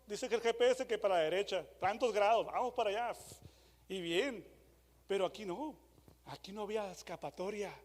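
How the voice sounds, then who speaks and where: Dramatic high-voiced pastor in echoing hall. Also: male voice, moderate pace. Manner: dramatic, swings from loud shouted re-enactments to hushed questions. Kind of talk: sermon. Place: church hall. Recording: long church hall reverb.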